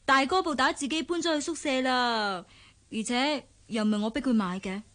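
An actress playing a spirited, romantic young woman student with a Hong Kong Cantonese accent in a radio drama, talking in a lively, sometimes sulky way. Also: high-pitched, normal speed. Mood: defiant. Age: young adult. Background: background music.

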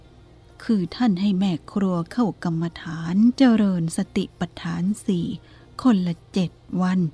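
A woman voicing a humble, deferential elderly female country cook in a storybook reading, slow and polite. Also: lowish voice, dark tone, husky, faint music behind. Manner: deferential, polite and self-effacing.

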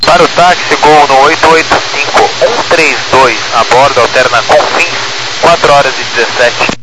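A man's voice: fairly high pitch, normal speed. A male airline pilot, heard over an aviation radio, giving clipped, businesslike readbacks. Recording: noisy air traffic radio channel.

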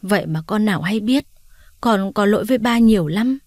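A woman's voice: medium pitch, lively intonation, fairly quick, a little mellow, dry recording, close to an everyday voice. Woman voicing a tearful young daughter returning home. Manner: emotional, pleading.

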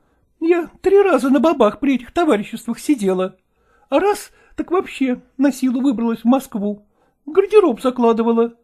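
A man voicing an excitable, complaining actress in an exclamatory, high-pitched manner. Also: normal speed. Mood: dismayed. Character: excitable middle-aged actress, complaining and dramatic. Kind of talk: audiobook character voice.

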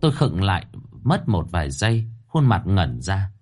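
Low-voiced man narrating a story. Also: normal speed, slightly rough. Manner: expressive, dramatic storytelling. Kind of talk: first-person story narration.

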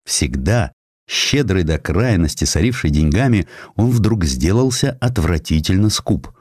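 A man reading historical prose as a dramatic scripted narration, in expressive, measured storytelling. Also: sits low, no echo, clean studio sound. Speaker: audiobook narrator.

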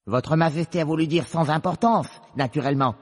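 Man voicing a fretful white rabbit herald, small high piping voice, storybook. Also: fairly quick, big-room sound, close to an everyday voice. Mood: urgent. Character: nervous little white rabbit herald, male.

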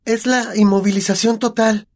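A man's voice: very high voice, measured pace, darkish tone, pitched above the performer's own voice. A man doing an anxious, clever schoolgirl. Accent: Latin American Spanish. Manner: anxious, precise.

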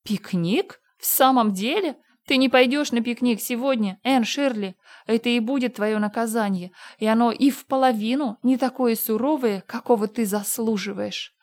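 A woman's voice: on the low side, expressive, normal speed, dark tone. A woman voicing Marilla, a strict, stern middle-aged spinster, in a scolding manner.

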